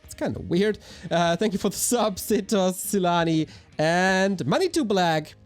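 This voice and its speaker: A man with a hoarse voice, casting a live strategy game match in an energetic, chatty way while thanking viewers. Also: high voice, unhurried, soft background music. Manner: energetic, chatty, talks to chat. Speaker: esports caster. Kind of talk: live game commentary with chat shout-outs.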